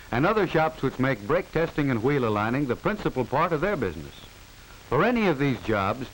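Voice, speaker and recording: A man's voice: mid-range voice, poor audio. An American man reading scripted 1940s educational film narration in a formal, instructive manner, on an old film soundtrack. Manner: formal, instructive, clearly enunciated. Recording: hissy 1940 film soundtrack. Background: steady hiss.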